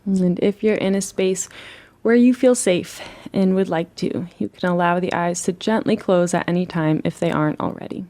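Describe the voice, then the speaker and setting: A woman leading a guided relaxation as a meditation teacher, speaking in a soothing, gentle and unhurried way. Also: fairly low pitch.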